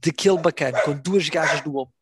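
A man's voice: fairly high pitch, fast, very noisy. A young man in casual podcast chat, slangy, repeating words as he searches for phrasing and mixing in English. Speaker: wrestling podcast co-host.

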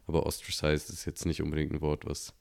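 A young man hosting his own podcast, telling a story in a relaxed, slangy, rambling way with many fillers. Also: very deep voice, quick pace, gravelly. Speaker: podcast host. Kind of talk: casual solo podcast storytelling.

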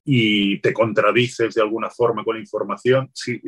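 A man speaking as an interview guest, explaining marketing tips in a relaxed, advice-giving way, often restarting his phrases. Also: on the low side, moderate pace, breathy edge. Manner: explanatory, many restarts and "pues". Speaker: guest, LinkedIn sales consultant.

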